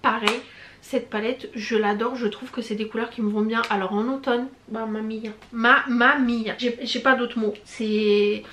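A woman's voice: on the high side, fairly even intonation, unhurried, fairly bright tone, a little hiss or hum. A young woman chatting casually to camera as a beauty vlogger, gushing about products with lots of hesitations and slang. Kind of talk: casual product review chat.

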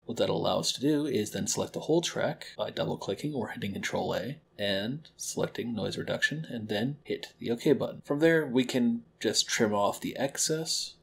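A man's voice: on the low side, moderate pace, vocal fry, few pauses, slight background noise. A young man hosting a library tutorial, explaining audio editing step by step in a friendly way, recorded at home. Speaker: library program host. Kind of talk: software tutorial. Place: home kitchen-living room, indoors.

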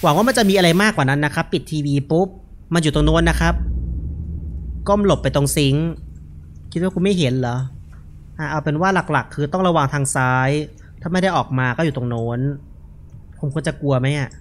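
A young man gives casual, joking horror game commentary, relaxed and unafraid, speaking into a headset mic. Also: a little high, brisk, long pauses, slight background noise. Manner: laid-back, joking, unafraid. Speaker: gaming video host.

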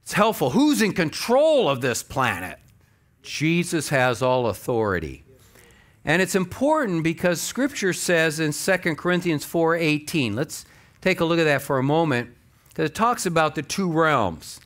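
A man's voice: on the high side, big pitch swings, normal speed, a bit bright. An older American man preaching a sermon as a pastor, in a conversational, emphatic way. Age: older, about 60. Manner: conversational, emphatic, acts out imagined objections. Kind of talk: sermon with scripture reading. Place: church stage at a lectern.

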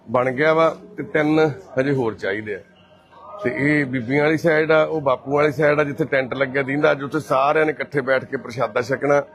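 A man's voice: fairly high pitch, fairly bright tone. Cheerful coaxing Punjabi man, live tour. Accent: Punjabi from Punjab, India. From Punjab, India. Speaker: host and caretaker at a care shelter. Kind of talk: live walk-through narration.

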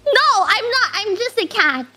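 A woman chatting casually as a vtuber guest, giggly and excitable. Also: very high voice, measured pace, faint music behind. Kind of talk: casual stream chat.

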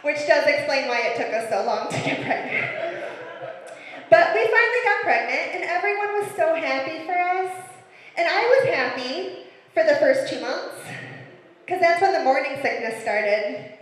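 A woman in her thirties doing a stand-up comedy set on a club stage, with a deadpan, self-mocking way of telling stories into a handheld mic. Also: high-pitched, normal speed. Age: 30s. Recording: echoey club room with long reverb.

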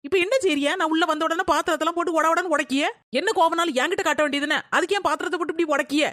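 A woman's voice: extremely high pitch, steady tone, very fast, fairly bright tone, dry recording, clean studio sound. A woman playing a young daughter-in-law who argues back indignantly, in a family quarrel skit. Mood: indignant arguing.

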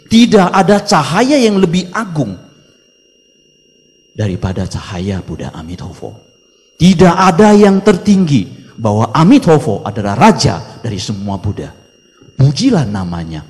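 Monk, male, lively preaching cadence, swells then drops to soft endings; long hall reverb. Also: mid-range voice, a little slow. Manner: preaching, mixing in Mandarin chant phrases; emphatic rising exhortations, trailing off softly. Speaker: Buddhist monk teacher. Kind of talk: dharma talk.

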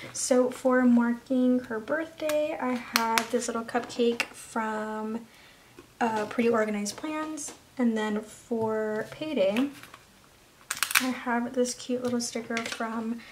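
A young woman narrates her planner at an unhurried, drawn-out pace, her voice sitting a little high. She chats in a loose, casual way. The recording carries clear background noise. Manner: chatty, slips into soft whispers at times. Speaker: planner vlogger.

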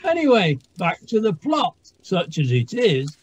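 A woman's voice: mid-range voice, sing-song, a little slow, slightly rough. A woman playing a very old, bossy pantomime fairy godmother with a theatrical, tart, dry manner. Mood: brisk, scornful. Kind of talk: pantomime audio acting.

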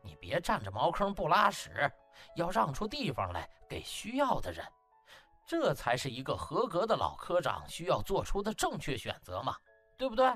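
Man playing a cocky, mocking young man, wildly animated. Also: on the high side, normal speed, soft background music, exaggerated voice. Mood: mock sympathy. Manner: taunting mock politeness with sly chuckles. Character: cocky young male hospital section chief, mocking and slick. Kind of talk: audiobook character acting.

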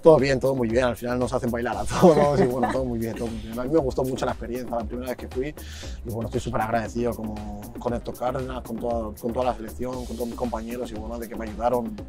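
A man's voice: medium pitch, level tone, fast, music in the background. Hesitant teenage guy from Colombia. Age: late teens. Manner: hesitant, many restarts and fillers, soft-spoken. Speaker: youth footballer guest. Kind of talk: casual interview answers. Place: park bench outdoors among greenery.

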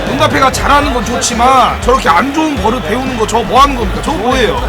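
A man commentating live football in an excited esports caster style, exclamatory and blunt, with casual swearing. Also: very high-pitched, fast. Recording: loud crowd and music behind the voice. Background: football crowd noise and music.

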